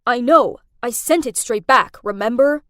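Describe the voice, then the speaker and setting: A woman voicing a young man, a boyfriend who turns gruff and cold, hesitant at first and then curt. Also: a little high, moderate pace, fairly bright tone, no echo, studio quality, natural voice.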